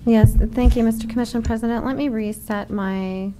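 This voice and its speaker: A woman's voice: on the high side, steady tone, moderate pace, mellow, a little hiss or hum. A woman clerk running public comment at a meeting, polite and businesslike. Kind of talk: procedural meeting talk.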